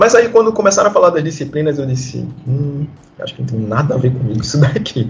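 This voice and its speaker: A man speaks at a very fast pace with very wide pitch swings. Noticeable background noise is in the recording. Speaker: university translation professor. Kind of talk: interview. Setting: online call.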